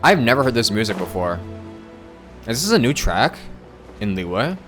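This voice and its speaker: A man's voice: medium pitch, very animated, moderate pace, fairly bright tone. A man livestreaming a game, talking casually and thinking aloud, often repeating his phrases as he rambles. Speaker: live game streamer. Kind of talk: casual livestream chat while playing a game. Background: game music.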